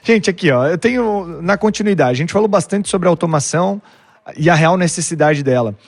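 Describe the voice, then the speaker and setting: A man with a somewhat high voice hosts a podcast. He talks in a loose, joking way and drops slang as he goes. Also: animated, brisk. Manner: casual, joking, uses slang. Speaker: podcast host. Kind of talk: casual podcast conversation.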